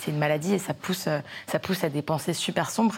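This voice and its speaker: A woman talks at a fairly quick pace in a very deep, low voice with vocal fry. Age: 20s. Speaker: social media content creator. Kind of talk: interview. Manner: halting.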